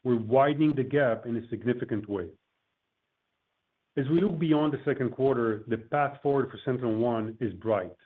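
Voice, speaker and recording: Male executive, medium pitch, formal scripted corporate delivery, narrow telephone-conference audio. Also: moderate pace. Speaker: company executive presenting on an earnings call. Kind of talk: prepared corporate remarks, read from a script. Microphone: conference call line. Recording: tinny phone-line conference call audio.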